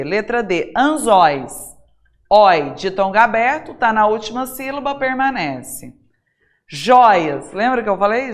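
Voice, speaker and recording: Lively Brazilian woman teaching an exam-prep class. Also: mid-range voice. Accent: Brazilian Portuguese. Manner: lively, talks straight to students, rhetorical questions; stresses single words by saying them slowly and loudly. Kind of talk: recorded classroom lesson.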